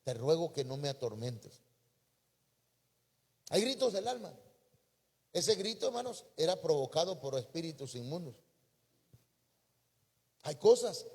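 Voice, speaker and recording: A man with a Mexican accent preaching a sermon as a pastor, breaking into sudden loud emphatic rises. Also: on the high side, slightly rough. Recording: reverberant church hall.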